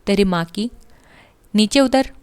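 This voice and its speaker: Woman doing a furious shouting thin clerk. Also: mid-range voice, slow pace, clean tone, dry recording, lightly acted. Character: thin excitable male clerk shouting abuse on a train.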